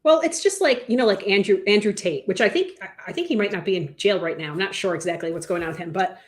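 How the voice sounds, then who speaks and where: A woman talks through the news in an easy conversational style on a podcast. She often adds "you know" and "right" as she goes. Her pitch sits in an ordinary middle range. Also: fast. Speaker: podcast co-host. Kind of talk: casual news chat.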